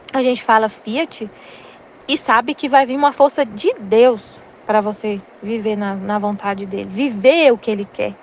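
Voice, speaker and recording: A woman's voice: a little high, slight background noise. Brazilian woman sharing faith testimony. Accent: Brazilian Portuguese. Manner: candid, repetitive, personal testimony. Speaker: Catholic study group leader. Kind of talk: casual spiritual reflection.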